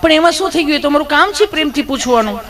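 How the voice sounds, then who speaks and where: A man's voice: very high voice, lively intonation, racing, fairly bright tone, pitched above the performer's own voice, full character voice. A man voicing a female nurse who keeps coaxing with a questioning "hmm?". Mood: sweetly probing. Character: sweetly persistent female nurse.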